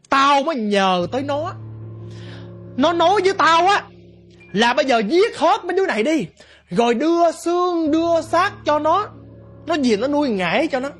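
A man's voice: very high-pitched, fairly bright tone, voice pushed up, heavily acted. A man voicing a vengeful female water demon, snarling and accusing.

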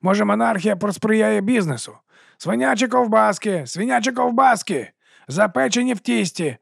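A man's voice: sits high, expressive, normal speed, gravelly, husky, no echo, clean studio sound, pitched above the performer's own voice, heavily acted. A man doing a pushy, wheedling sausage hawker. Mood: hawking. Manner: wheedling sales patter, loud hawking. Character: shifty pushy male street sausage vendor.

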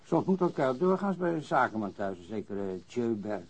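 Husky, nervously polite family man. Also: mid-range voice, sing-song, fairly quick, rough recording. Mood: awkwardly jovial. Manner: hesitant, soothing, deferential. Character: nervous, apologetic, polite brother-in-law of a widow. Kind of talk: radio drama acting.

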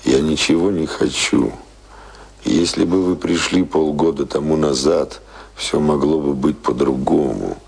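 A disillusioned, famous man who has lost his taste for life. His voice is extremely deep, gravelly and very husky. He broods theatrically, as in a radio play, with faint music beneath. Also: measured pace, darkish tone, full character voice. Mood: weary, despairing. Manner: brooding, theatrical monologue delivery. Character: ailing, embittered celebrated man, disillusioned and weary of life. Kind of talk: Russian radio play acting. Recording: radio drama with music underneath.

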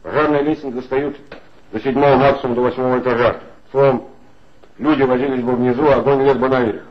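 Terse, level-headed commissioner , played by a man, plain mid-pitched voice. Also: quick pace, lo-fi sound, lightly acted. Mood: matter-of-fact. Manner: calm, terse and matter-of-fact. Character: calm terse male police commissioner. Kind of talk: 1960s Soviet radio play acting.

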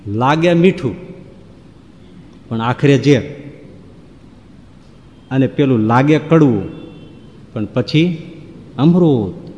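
A man's voice: medium pitch, animated, slow pace, long pauses, darkish tone, lo-fi sound. A man giving a devotional discourse in a folksy manner, listing examples in rhythmic runs that rise into exclamations. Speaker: preacher. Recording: long hall reverb.

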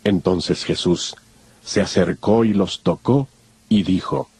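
A man narrating scripture from a script in a solemn, measured manner. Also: low voice, darkish tone, husky, no echo.

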